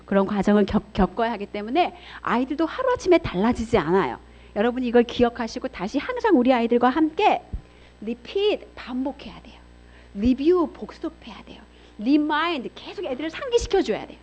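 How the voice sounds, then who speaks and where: Brief: middle-aged woman preacher, high lively voice, dramatic storytelling, dull lo-fi church recording. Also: brisk. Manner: expressive storytelling, acts out voices, swings between loud and hushed. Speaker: pastor's wife giving a seminar talk. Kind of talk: church seminar sermon. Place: church hall. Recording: dull lo-fi sound.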